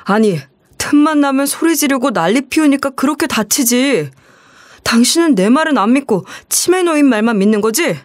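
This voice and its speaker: A woman's voice: high voice, animated, normal speed, no echo, voice pushed up. A woman voicing an angry husband who answers back defensively and indignantly.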